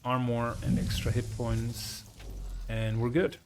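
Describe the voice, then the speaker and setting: A man's voice: medium pitch, monotone, takes it slowly. Man thinking aloud over noisy game audio. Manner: thinks aloud through tactical decisions. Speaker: gamer playing and commentating. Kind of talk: casual let's play commentary. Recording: clear background noise, game ambience. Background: video game ambience.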